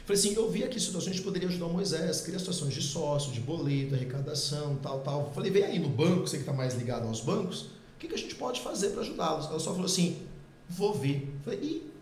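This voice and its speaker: A middle-aged man, a podcast guest, telling a personal testimony in a lively way and acting out the dialogue. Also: fairly high pitch, quick pace, slight background noise. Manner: lively, acts out quoted dialogue. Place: podcast studio. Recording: echoey room.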